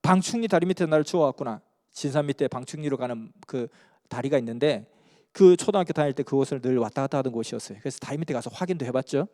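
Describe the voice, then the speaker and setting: Guy preaching, earnest storytelling, mellow low tone, big hall echo. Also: fast. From Busan, South Korea. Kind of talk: sermon storytelling. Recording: long hall reverb.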